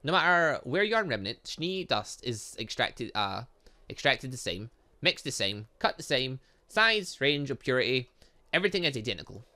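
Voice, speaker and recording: A man voicing a refined young heiress in a visual novel, reading her formal lines in a measured, slightly halting way. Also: mid-range voice, very animated, bright, forceful tone. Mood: composed. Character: refined, prim young heiress, earnest about her passion.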